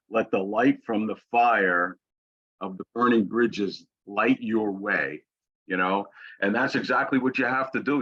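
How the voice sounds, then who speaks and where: A man's voice: on the low side, a bit bright. A man, a podcast co-host, giving earnest, hesitant feedback with many fillers. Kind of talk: casual feedback chat. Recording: dull lo-fi audio.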